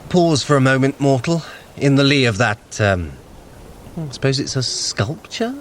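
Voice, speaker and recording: An actor playing a clever, sly, haughty trickster god in an audio drama, with an arch, theatrical, condescending manner. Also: male voice, medium pitch, expressive, moderate pace, slight background noise, close to an everyday voice. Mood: brisk, condescending. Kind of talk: scripted audio drama acting.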